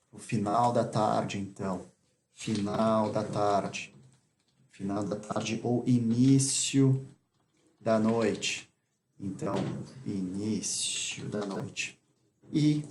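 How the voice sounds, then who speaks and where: A man teaching English in Portuguese, explaining greetings and slowly repeating each example phrase. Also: fairly low pitch, darkish tone, a little hiss or hum.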